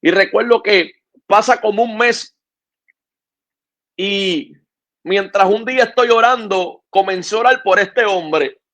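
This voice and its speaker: A man's voice: high-pitched, a little slow, pauses often, fairly bright tone. A man telling an earnest faith testimony on Christian radio, then appealing to listeners. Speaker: guest giving a testimony. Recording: dull lo-fi radio audio.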